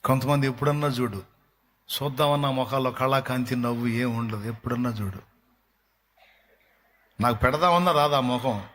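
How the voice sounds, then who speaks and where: A man preaching a sermon with a coastal Andhra Telugu accent. He talks in animated bursts and acts out back-and-forth dialogue with God. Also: medium pitch, normal speed, pauses often, a little hiss or hum. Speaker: pastor. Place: church hall.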